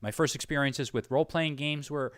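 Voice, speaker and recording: A man's voice: a little high, brisk, dry recording. Middle-aged man, dry close sound. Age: late 40s. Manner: rambling, frequent "like" asides. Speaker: interviewer, host. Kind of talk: casual conversational interview.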